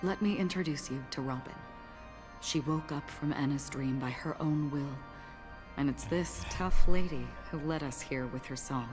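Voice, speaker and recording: An actress playing a composed, solemn woman in a video game, speaking in measured, formal lines. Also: low voice, in a large hall, music in the background, natural voice. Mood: calm, resolute. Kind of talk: scripted game dialogue.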